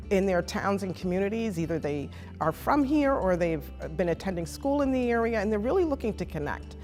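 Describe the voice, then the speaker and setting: A woman giving a conversational interview as an arts director, explaining things appreciatively, recorded in a reverberant church. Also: medium pitch. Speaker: executive director of an arts organization, interview guest. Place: inside an old granite church. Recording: long reverberant hall echo.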